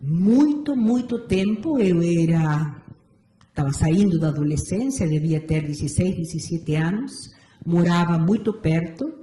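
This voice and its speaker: Interview guest: Argentine woman in her sixties, Spanish-accented, mellow and unhurried, in a roomy space. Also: lowish voice. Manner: measured, thoughtful, frequent "não é certo" tag. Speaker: interview guest, meditation teacher. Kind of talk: reflective interview answers. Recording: roomy echo.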